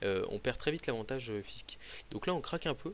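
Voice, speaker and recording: Over a silent background on a very clean recording, a man talks very fast with ordinary pitch variation. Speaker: gaming youtuber. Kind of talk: game commentary review. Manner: hesitant, many fillers.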